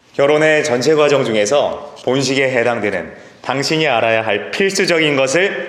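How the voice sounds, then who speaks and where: A man's lively intonation at very even loudness, amid noticeable background noise. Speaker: professional wedding MC. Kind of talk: casual talk to camera, explanatory monologue.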